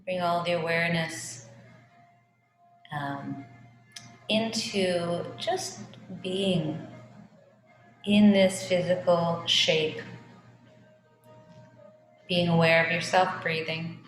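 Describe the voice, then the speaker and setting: A woman teaching yoga, leading a guided meditation in a gentle, unhurried, soothing manner. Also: fairly low pitch. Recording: echoey reverberant room with music behind.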